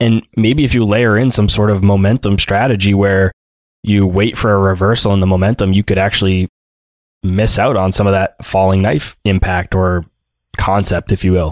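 A man talks in an ordinary speaking voice, fairly low in pitch, at a moderate pace. His loudness stays very even against a quiet background. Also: fairly even intonation, dry, close sound with no echo. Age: 20s. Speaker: podcast host interviewing a guest. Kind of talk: casual interview.

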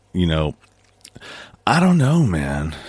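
A man with an American accent and a very deep, low voice. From United States. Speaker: podcast host. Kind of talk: casual chat. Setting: live stream. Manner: halting, many fillers.

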